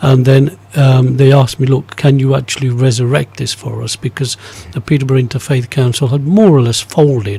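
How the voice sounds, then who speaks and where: Noticeable background noise beneath fairly quick talk of ordinary pitch variation. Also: man, medium pitch for a man. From England, Birmingham and Manchester (born in Amritsar, India). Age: 60s. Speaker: interfaith council chair. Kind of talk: radio interview. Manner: hesitant, many repetitions.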